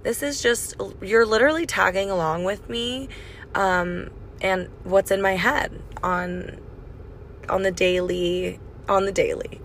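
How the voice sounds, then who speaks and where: A raspy young woman hosting a casual solo podcast, chatty and swearing freely, recorded on a phone mic in her car. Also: medium pitch, fairly even intonation, unhurried, fairly bright tone, slight background noise. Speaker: podcast host. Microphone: phone microphone.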